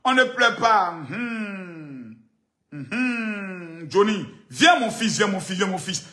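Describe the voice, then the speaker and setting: A man with an Ivorian French accent hosting a heated live political show, mocking and taunting his target, breaking into shouts and bits of song. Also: high-pitched, animated, slow. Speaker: political web show host.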